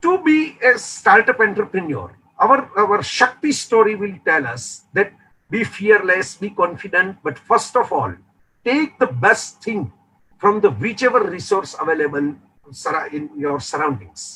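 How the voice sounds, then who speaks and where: In a Gujarati accent, a raised, projected voice with a bright, sharp tone moves at a fairly slow pace through very wide pitch swings. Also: man, high pitch for a man. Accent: Indian (Gujarati) English. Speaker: author and motivational speaker. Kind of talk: webinar talk. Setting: online webinar. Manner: halting, with many fillers.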